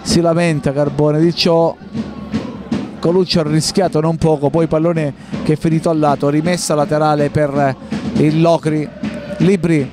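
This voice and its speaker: A man giving live football play-by-play in clipped running phrases, with pauses between them. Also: on the high side, little pitch movement, music in the background. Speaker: football match commentator.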